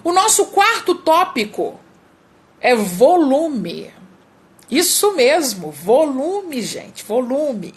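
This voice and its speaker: A woman's voice: high voice, very animated, very slow. A Brazilian woman coaching public speaking in a live lesson, emphatic and repeating key words for stress. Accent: Brazilian Portuguese.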